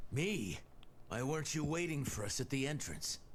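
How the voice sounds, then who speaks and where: A man puts on a cartoonish character voice at very even loudness over clear background noise. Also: fairly high pitch for a man, moderate pace. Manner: blunt, curt.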